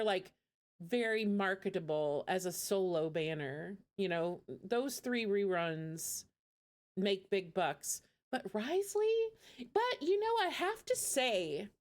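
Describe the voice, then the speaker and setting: Chatty girl streamer reacting live, super informal and gushy, voice goes up and down a lot. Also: mid-range voice. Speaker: streamer reacting to a game showcase. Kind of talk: casual live commentary.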